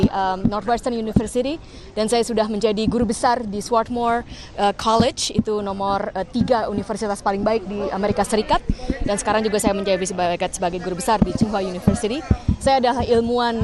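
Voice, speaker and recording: A woman professor introducing herself to reporters, articulate but with many filler sounds. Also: mid-range voice. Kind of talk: self-introduction to press. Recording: noisy crowd of reporters.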